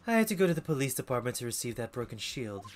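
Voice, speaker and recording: A man's voice: mid-range voice, big pitch swings, rapid-fire, soft background music, natural voice. A man voicing a proud, cold young male prosecutor who speaks curtly and with disdain. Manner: curt and disdainful.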